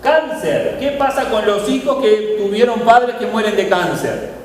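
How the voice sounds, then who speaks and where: A man preaching, his voice pitched high for a man. He talks animatedly and slips into the voices of the people he describes. He sounds distant from the mic, inside a big hall with a long, booming echo. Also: a little slow, slight background noise. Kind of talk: sermon. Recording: echoey hall, voice from far off.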